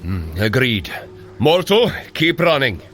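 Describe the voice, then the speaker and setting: An actor playing a noble, protective warrior god, earnest and commanding, in a scripted audio adventure. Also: male voice, medium pitch, big pitch swings, slow pace, fairly bright tone, slight background noise. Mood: wry, watchful.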